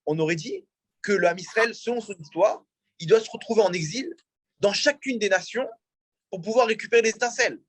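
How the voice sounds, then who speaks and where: A man's voice: high-pitched, brisk, breathy edge, no room sound. A man, a rabbi, teaching a religious class and asking his audience questions as he explains. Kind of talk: religious lecture. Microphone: in-room mic, also streamed on a video call.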